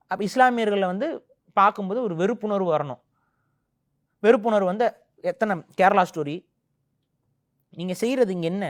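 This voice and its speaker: A man giving a heated opinion in an interview, speaking with indignant force that keeps rising into emphatic outbursts. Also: high-pitched.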